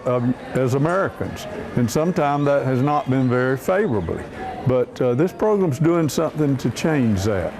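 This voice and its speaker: A man giving an earnest interview testimonial, pausing with hesitant fillers. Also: mid-range voice. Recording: recorded amid a crowd. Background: crowd.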